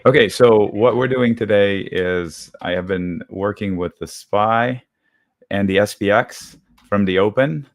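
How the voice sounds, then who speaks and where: Appearing over a video call as a guest on a live market show, a man briskly walks through his options trades step by step. A cold has deepened his voice and he sounds a bit under the weather. The studio-quality audio is low-pitched and free of echo.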